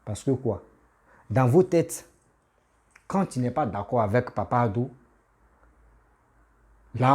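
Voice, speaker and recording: A man's voice: mid-range voice, mellow, husky. A man who has a cold, giving a casual, insistent political rant that scolds his listeners. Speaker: political commentator.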